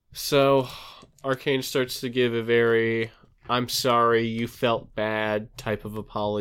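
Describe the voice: Text read plainly aloud, the intonation fairly even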